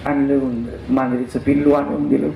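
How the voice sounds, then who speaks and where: A man's voice: medium pitch, moderate pace, creaky, muffled recording, a little hiss or hum. Man preaching a parable, echoey room. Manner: lively, acts out the voices in the story. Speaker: religious teacher telling a parable. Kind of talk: storytelling sermon.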